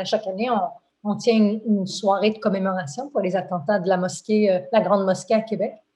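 Her medium pitch shows ordinary pitch variation as the woman speaks at a moderate pace. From Quebec. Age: 30s. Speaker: healthcare executive. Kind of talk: interview. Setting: live recording. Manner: energetic.

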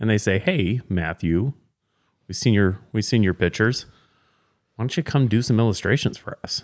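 A man with a fairly low pitch speaks at a moderate pace, using lively intonation and long, frequent pauses. The recording is very clean with a silent background, and the sound is dry and close with no echo. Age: 40s. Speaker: podcast host. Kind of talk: casual chat. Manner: halting, many fillers and repeats.

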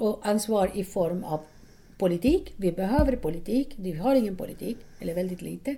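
A woman with a Spanish accent, medium pitch, lively intonation, a dark, mellow tone and a moderate pace. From Chile. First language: Spanish (speaking Swedish). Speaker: professor. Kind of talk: interview. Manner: halting.

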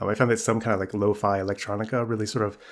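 A man with an American accent speaks very fast at a fairly low pitch. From United States. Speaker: abdominal radiologist. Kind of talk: interview. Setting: video call.

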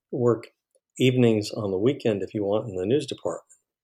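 Dark and mellow in tone, a man with an American accent talks at a fairly quick pace and medium pitch with ordinary pitch variation. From New York, Far Rockaway (Queens). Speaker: retired radio broadcaster. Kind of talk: interview.

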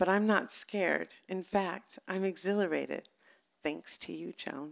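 A woman with an American accent speaks in a normal speaking voice at a moderate pace and a medium pitch. Her intonation is fairly even, and the recording is very clean with a silent background. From US Midwest, Minneapolis. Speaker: TV writer and memoirist. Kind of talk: reading aloud and panel Q&A. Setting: bookstore stage with audience.

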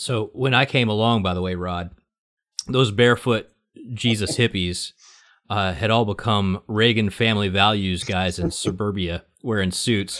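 In a plain, everyday voice, a man with fairly low pitch and ordinary pitch variation talks at a fairly slow pace on a very clean recording with a silent background. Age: 40s. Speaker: podcast host. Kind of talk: casual interview chat.

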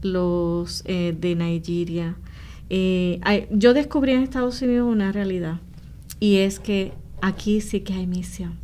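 Speaking very slowly, a woman talks at a medium pitch. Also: ordinary pitch variation. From Puerto Rico. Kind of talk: interview conversation.

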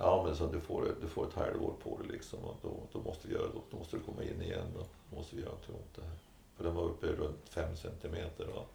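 Heard with audible room echo and noticeable background noise, a man speaks at a fairly quick pace. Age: 70s. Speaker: priest and adventurer. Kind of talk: casual interview.

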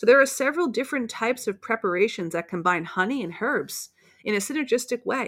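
A woman's fairly high voice with an American accent, very fast pace and lively intonation, on a very clean recording with a silent background. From United States. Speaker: radio host. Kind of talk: solo monologue broadcast.

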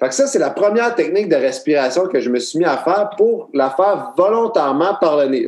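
Pitched high, a man speaks in an animated tone with lively intonation. His pace is moderate. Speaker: kinesiologist and speaker. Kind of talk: interview conversation; guided breathing exercise.

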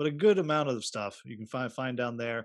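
A man with a normal speaking voice, medium pitch, fairly even intonation and a fairly quick pace. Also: quiet background. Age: 30s. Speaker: board game reviewer and video podcast host. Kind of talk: casual chat.

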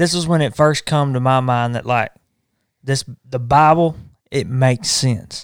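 Speaking quietly and fairly slowly with long, frequent pauses, a man with a Southern US accent uses a medium pitch and ordinary pitch variation. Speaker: podcast co-host. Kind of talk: casual chat. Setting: studio. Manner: quiet, says little.

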